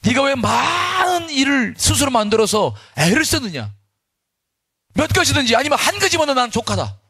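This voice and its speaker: A man's voice: very high-pitched, very animated, moderate pace, bright, forceful tone, breathy edge, no echo, clean studio sound, voice pushed up, full character voice. A man voicing a firm, authoritative male teacher delivering an emphatic rebuke. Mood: stern rebuke.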